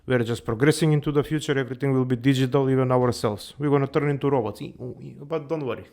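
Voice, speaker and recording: A man's voice: mid-range voice, quick pace, darkish tone. A man hosting a comedic finance show, playful and exaggerated, repeating "my friends" again and again. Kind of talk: comedic character monologue.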